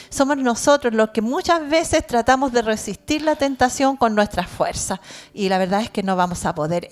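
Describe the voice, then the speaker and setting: A middle-aged woman with a Chilean accent preaching a sermon as pastor, earnest and animated, often adding amen and cierto. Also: a little high. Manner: animated storytelling, shouting out imitations.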